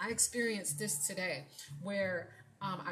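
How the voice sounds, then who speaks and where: Noticeable background noise sits behind a woman talking. Her tone is animated and her intonation lively. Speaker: podcast host and tarot card reader. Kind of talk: spiritual card reading monologue.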